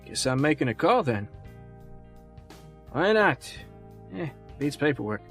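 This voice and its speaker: An actor playing an easygoing, slightly fumbling junior detective in an audio drama, speaking casually and hesitantly. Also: male voice, on the high side, sing-song, unhurried, a bit bright, soft background music, heavily acted.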